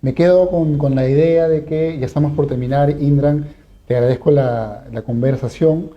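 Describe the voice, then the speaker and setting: A man hosts an interview, asking thoughtful, drawn-out questions. His voice sits fairly high, and the audio is dull and lo-fi. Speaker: interview host. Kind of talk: interview conversation.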